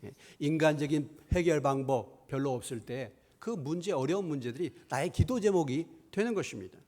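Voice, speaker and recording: Korean pastor preaching, high-pitched, dynamic. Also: male voice, animated, brisk. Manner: preaching with rhetorical questions, swinging from hushed asides to raised emphatic lines. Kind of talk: sermon. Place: church sanctuary.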